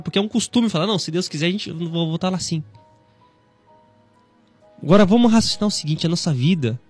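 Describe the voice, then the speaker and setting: This devotional radio talk is hosted by a Christian presenter in his thirties with a Brazilian Portuguese accent, who preaches gently in a conversational way and keeps tagging lines with "né". His voice is a little high.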